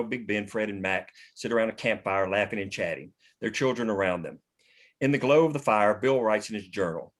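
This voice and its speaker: A man narrating stage directions from a screenplay in a scripted table-read style. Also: on the low side.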